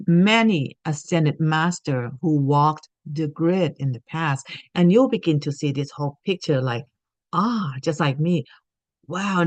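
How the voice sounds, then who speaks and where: A woman's voice: sits low, no echo. A woman from Thailand giving an earnest spiritual teaching talk, often checking in with "okay?".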